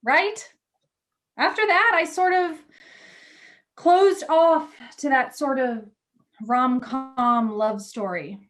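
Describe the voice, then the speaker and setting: Female magazine editor for a play reading, acted by a woman: candid, confiding, slightly hesitant, pitched a little high. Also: fairly bright tone. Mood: wounded, wistful. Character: candid, loyal female magazine editor, jaded about love. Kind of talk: virtual staged play reading.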